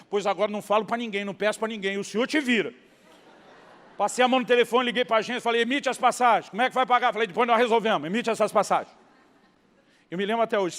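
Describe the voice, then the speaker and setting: Animated Brazilian pastor in a reverberant hall. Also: male voice, sits high. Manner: animated storyteller, acting out dialogue, laughing at punchlines. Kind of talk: sermon storytelling.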